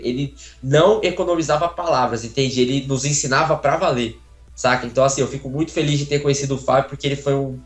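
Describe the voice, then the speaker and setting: A young Brazilian man speaks casually from a small room at home over a phone video call, his voice carrying a roomy echo. He talks in a warm, grateful way, rambling with lots of fillers and restarts, at a mid pitch. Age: young adult. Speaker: interviewee, voice acting contestant. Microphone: phone camera, video call.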